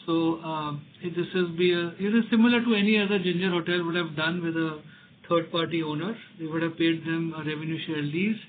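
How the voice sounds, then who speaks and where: A man's voice: on the high side, fairly even intonation, fairly quick. A man with an Indian accent answering investors as a company executive on an earnings call, often repeating words as he explains. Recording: tinny phone line with background noise.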